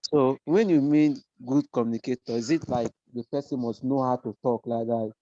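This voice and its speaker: A male trainee asks a halting, hesitant question to his teacher. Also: mid-range voice, mellow, no room sound. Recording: dull lo-fi audio.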